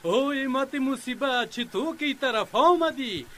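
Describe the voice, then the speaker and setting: A folksy villager in a radio play, with a very high, lively voice. He exclaims and scolds in a good-natured way, with faint noise behind him. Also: heavily acted. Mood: scolding. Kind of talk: radio drama dialogue.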